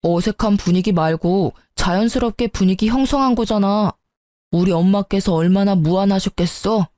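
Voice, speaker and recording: A woman's voice: medium pitch, moderate pace, dark tone, no echo, natural voice. A woman voicing a tactless, sulky young husband in a story radio drama, whining and self-justifying.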